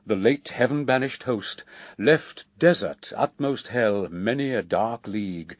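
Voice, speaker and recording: Solemn male verse narrator, dramatically varied pitch. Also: dry recording, studio quality. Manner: solemn, measured, theatrical phrasing with weighty pauses.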